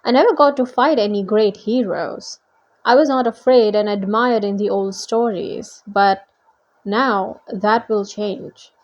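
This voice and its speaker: A woman's voice: medium pitch, measured pace, lo-fi sound, close to an everyday voice. A woman voicing a bitter, grandiose male manticore villain in a storybook, drawn out and menacing.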